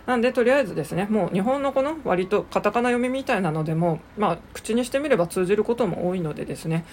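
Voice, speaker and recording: A woman hosting a casual solo podcast lesson on English exam preparation, talking relaxed and chatty with many fillers, slowing down on English words. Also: medium pitch, a little hiss or hum. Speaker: podcast host teaching English exam prep.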